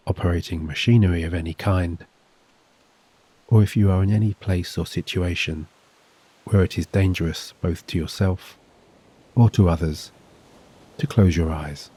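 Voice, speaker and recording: A man narrating a scripted guided sleep hypnosis in a soothing, gentle, measured voice with long pauses. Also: sits low, steady tone, husky. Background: soft relaxing music and gentle waves.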